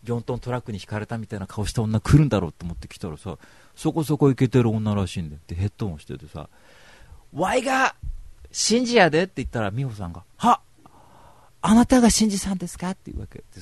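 A male radio host who tells a story in a rambling, crude and mock-outraged way. He talks fast, and his pitch swings widely as he goes. The studio sound is dry and close. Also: lively intonation, warm tone, slightly rough, no echo.

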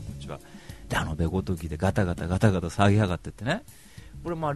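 A man's voice: lowish voice, a little mellow. A male radio host in a studio, retelling a story in a crude, rambling, mock-outraged way.

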